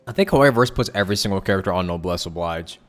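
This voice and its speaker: A man's voice: deep voice, lively intonation, very fast. A man livestreaming a game with casual, slangy commentary, reacting off the cuff. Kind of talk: casual live commentary while gaming. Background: game music and sound.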